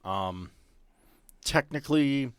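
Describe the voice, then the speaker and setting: A man's voice: mid-range voice, lively intonation, slow pace, clear, resonant tone, no room sound. A man running a tabletop game as game master, narrating and explaining the rules in a conversational way. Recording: music behind the voice. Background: background music.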